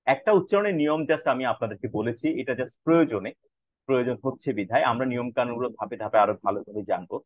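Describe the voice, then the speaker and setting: A man teaching an online class on pronunciation, saying each example word slowly and clearly, sometimes several times. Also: mid-range voice, no echo. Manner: slow, drawn-out modelling of words. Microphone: video call. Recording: dull lo-fi online call audio.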